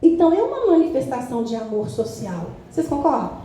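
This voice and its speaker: A woman missionary preaching a lively sermon in a church with a Brazilian accent, asking the congregation direct questions. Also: sits high, fast talker. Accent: Brazilian Portuguese. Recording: very echoey church hall, faint noise.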